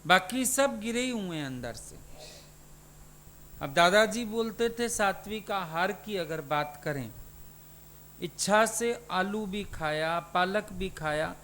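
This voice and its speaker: Slow high-voiced man giving a sermon. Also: fairly bright tone, slight background noise. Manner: questioning, teaching to listeners. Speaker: spiritual teacher. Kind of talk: satsang sermon.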